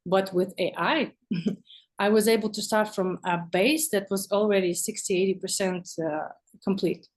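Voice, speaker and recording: A woman's voice: mid-range voice, fairly even intonation, unhurried. Woman speaking English as a second language. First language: not English. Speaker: guest visual artist. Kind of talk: casual interview conversation.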